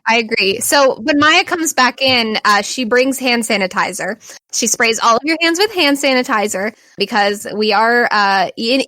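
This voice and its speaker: A woman's voice: a little high, pushed and bright, no room sound. A woman hosting as game master, narrating an improvised tabletop game. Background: background music.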